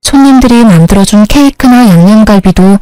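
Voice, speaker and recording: A woman narrating a family story in a calm, confiding way. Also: medium pitch, a little fast, clean tone, dry recording, poor audio.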